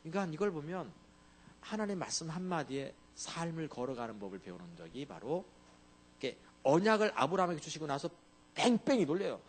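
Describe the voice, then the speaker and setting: A man's voice: fairly high pitch, big pitch swings, a little fast, slight background noise. A male pastor preaching a sermon in a conversational way, often asking the congregation to agree with him.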